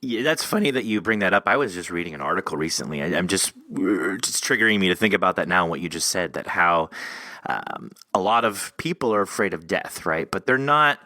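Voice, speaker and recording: A man's voice: low-pitched, expressive, a little fast, bright, forceful tone, no room sound. A man hosting a podcast in casual interview chat, rambling and thinking aloud as he goes. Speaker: podcast host.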